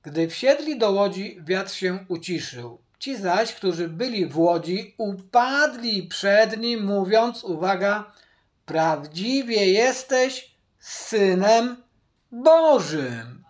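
A man teaching from the Bible, speaking deliberately, repeating his key points and addressing viewers directly. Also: high voice, animated. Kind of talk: Bible study commentary.

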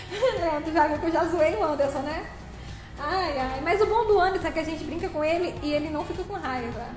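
A woman's voice: sits high, roomy sound. A woman chatting on a live stream, playfully teasing viewers and thanking them by name, now and then singing a short phrase. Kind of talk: casual live-stream chat.

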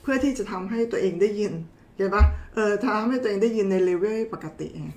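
A woman's voice: mid-range voice, fast talker, darkish tone. Chatty woman doctor in a roomy space. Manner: chatty, teasing, addresses viewers familiarly. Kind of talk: casual health explainer talk. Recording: roomy echo.

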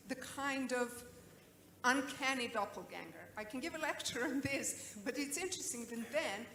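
A woman's voice: on the high side, a bit bright. A woman, a professor, speaking enthusiastically and articulately as she asks a question at a conference. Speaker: professor of Victorian literature asking a question. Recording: echoey room with background noise.

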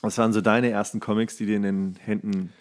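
A man's voice: on the low side, flat delivery, fairly quick. A man co-hosting a podcast in casual chat, jokey and rambling, often throwing in questions. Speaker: podcast co-host.

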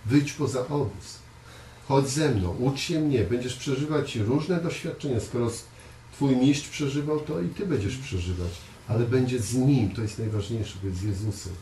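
A man preaching a conversational sermon to a small congregation, earnest, often repeating words and pausing on fillers. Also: mid-range voice, dark tone. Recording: echoey room, voice from far off, faint hiss.

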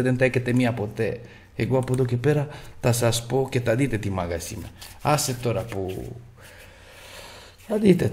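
Spinning slots, a man from Greece keeps up a boastful, offhand commentary, swearing liberally and hollering at the reels, his voice medium in pitch.

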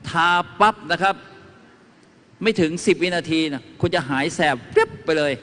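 A man's voice: high voice, wildly swooping pitch, normal speed, fairly bright tone. A man giving a folksy talk to a live audience as a lecturer on home remedies, telling anecdotes and tossing questions to the crowd. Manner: chatty, asks the audience questions, tells anecdotes. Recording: reverberant hall.

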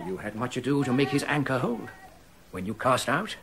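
A man's voice: mid-range voice, very animated, normal speed, a bit bright, a little hiss or hum. An actor playing a loyal royal counsellor in a radio drama, deferential and pleading with his king. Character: loyal, anxious royal counsellor, grown man.

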